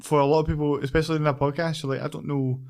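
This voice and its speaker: A Scottish man with a slightly high voice hosts a podcast in a loose, conversational way. He talks informally, with self-deprecating banter. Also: flat delivery, racing, a little mellow, clean tone. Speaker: podcast host. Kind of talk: casual interview chat.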